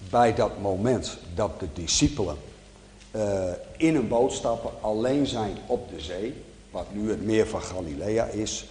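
A male preacher gives a sermon, explaining scripture in a calm, measured teaching voice. He speaks slowly and deliberately, at a mid pitch. The sound is roomy, with a long hall reverb trailing each phrase. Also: a little hiss or hum.

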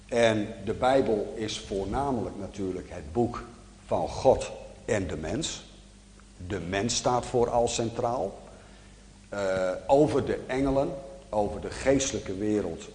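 Man, preacher, slow unhurried sermon delivery, measured teaching tone, roomy hall reverb. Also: on the low side, darkish tone, slight background noise. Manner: measured, explanatory Bible teaching. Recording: echoey hall with long reverb.

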